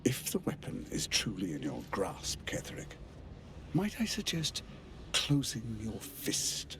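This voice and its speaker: An actor playing a suave, sardonic scheming tyrant in a video game, with polished, goading delivery. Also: male voice, fairly low pitch, wildly swooping pitch, unhurried, exaggerated voice. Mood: cool threat. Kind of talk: video game villain acting. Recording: loud background noise.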